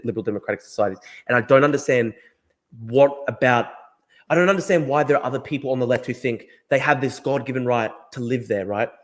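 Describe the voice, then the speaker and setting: Fast-talking man, emphatic podcast host. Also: mid-range voice. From Australia. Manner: emphatic, repeats points, frequent "like" and "right?". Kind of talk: opinionated political podcast talk.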